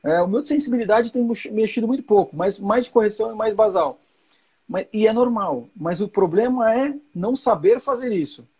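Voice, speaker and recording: Husky high-voiced man explaining warmly. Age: 40s. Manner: reassuring, explanatory, repeats key points. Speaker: host. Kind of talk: casual live chat.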